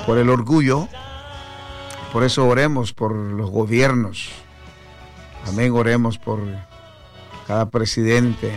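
Slow-talking Latin American radio preacher, a man. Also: medium pitch, fairly even intonation. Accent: Latin American Spanish. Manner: devout, punctuates talk with hallelujahs and amens. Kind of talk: devotional radio preaching and chat with callers. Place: radio studio. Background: music.

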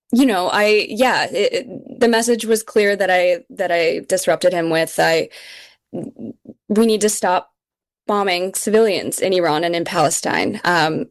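A young woman from Minnesota, speaking earnestly as an interview guest, with frequent ums and restarts. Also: medium pitch. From Minnesota, United States. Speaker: guest, communications director of an advocacy group. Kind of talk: interview conversation.

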